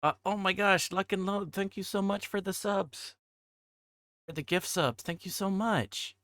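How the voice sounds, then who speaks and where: A man livestreaming in casual chat, with a halting, repetitive and scattered way of talking. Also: sits high, steady tone, a bit bright, no echo, clean studio sound.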